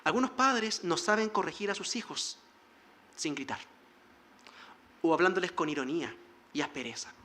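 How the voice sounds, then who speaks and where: A male pastor delivers a sermon in a high, ringing voice. He exhorts the congregation earnestly and slips into short acted lines of dialogue to make his point. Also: very animated, normal speed, long pauses, pushed and bright. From Chile.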